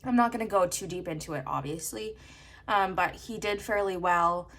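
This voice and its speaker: A young woman from Canada, slightly hoarse from a coming cold, chatting casually as she counts bills aloud in a steady rhythm. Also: fairly low pitch, moderate pace. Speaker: budgeting vlogger. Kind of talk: casual narration while counting cash.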